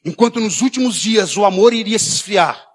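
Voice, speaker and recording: A man with a Brazilian accent preaching a sermon in a church, often shouting and acting out the lines of the people in his story. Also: sits high, lively intonation, fairly quick. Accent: Brazilian Portuguese. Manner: shouting preacher, acts out quoted dialogue. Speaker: pastor.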